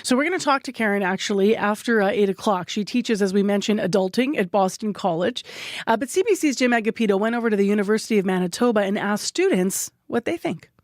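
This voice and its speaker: A woman hosting a radio news program, giving a steady, measured read into a studio microphone. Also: medium pitch, no room sound. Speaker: radio show host. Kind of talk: scripted news introduction.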